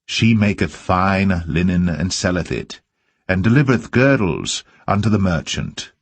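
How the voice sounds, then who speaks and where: A man reading scripture aloud as solemn narration, with measured and deliberate phrasing. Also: deep voice, expressive, husky, dry recording. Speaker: Bible reader.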